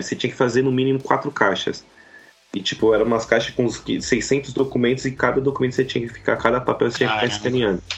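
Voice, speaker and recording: A man talks very fast at a medium pitch. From São Paulo, Brazil (south zone). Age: 20s. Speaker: tattoo artist and customer service worker. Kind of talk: casual chat.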